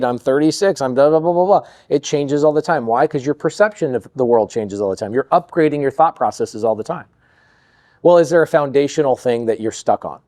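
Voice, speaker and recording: Animated male storyteller, dry studio sound. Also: mid-range voice, no room sound. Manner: animated storyteller, acts out quoted voices. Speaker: podcast guest, real estate investor. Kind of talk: storytelling interview chat.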